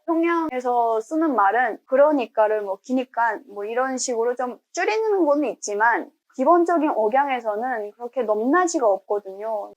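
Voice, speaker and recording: A woman's voice: fairly high pitch, rough recording. A woman from Pyongyang, North Korea, giving earnest, enthusiastic commentary in a talking-head vlog. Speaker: YouTuber.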